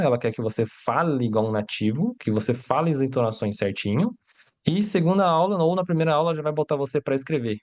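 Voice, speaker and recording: With a medium-pitched, darkish voice, a man who learned Portuguese as a second language teaches Mandarin in a livestream lesson. He explains step by step, asks rhetorical questions, and keeps checking in with "né?" and "tá?".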